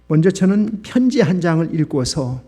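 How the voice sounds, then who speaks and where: Husky-voiced pastor telling a story. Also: male voice, a little high, expressive, moderate pace, warm tone. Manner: dramatic read-aloud storytelling. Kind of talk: revival sermon.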